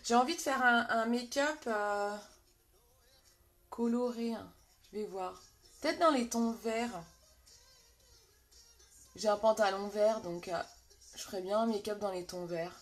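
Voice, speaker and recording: A woman's voice: medium pitch, unhurried, long pauses, soft background music. A woman with a French accent hosting a casual live makeup tutorial from her bedroom, chatting and greeting viewers by name with many fillers. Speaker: makeup seller and live host.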